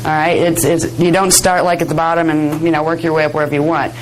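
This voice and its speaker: A woman with a slightly hoarse, raspy voice giving an informal workshop lecture in a chatty, conversational manner. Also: low voice, level tone, fast, a little hiss or hum, low-quality recording. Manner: conversational, chatty, self-deprecating asides. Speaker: workshop instructor. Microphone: worn or held microphone close to the face.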